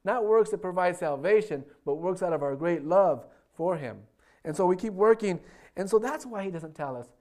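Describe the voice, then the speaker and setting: A man preaching a sermon, telling stories with sudden loud bursts and hushed, quiet asides. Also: sits high, lively intonation, normal speed. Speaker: pastor.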